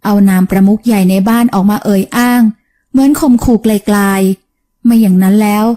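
A woman narrating a romance novel for an audiobook in a gentle, even storytelling manner. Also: medium pitch, normal speed.

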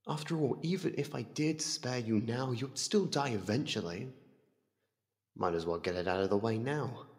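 A man voicing an ancient void entity that calmly toys with its prey in an ASMR roleplay, slow, deliberate and condescending. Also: mid-range voice, lightly acted. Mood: quietly menacing. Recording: cavernous long reverb.

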